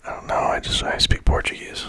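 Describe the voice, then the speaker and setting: An ASMR creator, rambling casually in a breathy, unvoiced whisper with a musing, playful manner. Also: a bit bright. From America.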